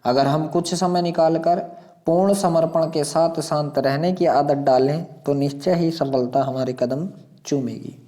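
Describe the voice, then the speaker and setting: A man's voice: a little high, a little slow, dark tone. A man teaching an exam lesson, reading questions and passages aloud in an instructive way, repeating phrases and putting questions to his students.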